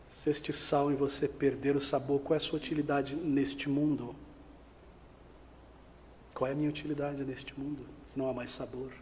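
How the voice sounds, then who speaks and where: A Brazilian man preaches a sermon in a fairly high voice, swinging from loud, forceful outbursts to hushed, earnest appeals. His voice rings with the long reverb of a church hall. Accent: Brazilian Portuguese. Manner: emphatic preaching, rising to loud outbursts then dropping to quiet appeals. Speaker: pastor.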